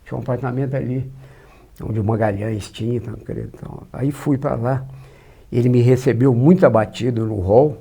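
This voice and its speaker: A man's voice: mid-range voice, a little fast, creaky, husky. An older man, a journalist from Minas Gerais with its regional accent, telling stories as an interview guest and acting out the dialogue he quotes. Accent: Minas Gerais Brazilian Portuguese. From São João del Rei, Minas Gerais, Brazil. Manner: lively raconteur, acts out quoted dialogue. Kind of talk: anecdotal storytelling.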